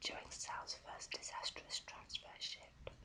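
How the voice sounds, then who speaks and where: Against noticeable background noise, a woman whispers at a moderate pace. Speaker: ASMR artist, author reading from her own book. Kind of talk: ASMR whisper reading of a novel. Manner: whispered, soft, relaxing.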